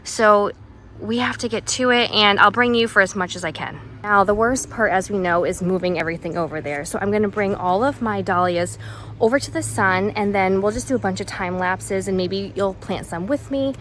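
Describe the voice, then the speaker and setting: A woman's voice: medium pitch, normal speed, fairly bright tone, a little hiss or hum, rough recording. A woman chatting casually through a gardening vlog outdoors in her backyard, walking around and showing her plants, recorded on a phone, getting out of breath as she works. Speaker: gardening vlogger. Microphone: phone camera.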